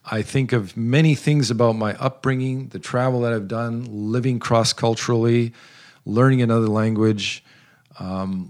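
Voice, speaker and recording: A man in his sixties who grew up in South America, giving earnest, measured interview answers with frequent pauses and restarts. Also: medium pitch, a little mellow. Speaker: guest, retired missionary.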